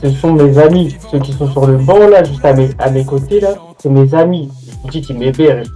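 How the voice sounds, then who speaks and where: A man's voice: mid-range voice, fairly quick, warm tone, faint music behind, lightly acted. A man playing an evasive defendant in an online roleplay trial, casual and insistent in his denials. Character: evasive accused man denying charges in court. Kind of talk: improvised online game roleplay.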